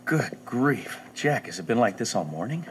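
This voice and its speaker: A man's voice: lowish voice, sing-song, moderate pace, a little hiss or hum. A wry, easygoing young man. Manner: good-humored, wry.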